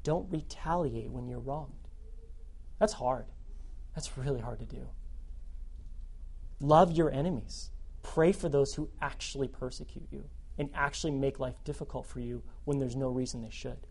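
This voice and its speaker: A man preaching a sermon to students as their youth pastor, animated and repeating phrases for emphasis. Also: medium pitch, moderate pace, creaky, husky.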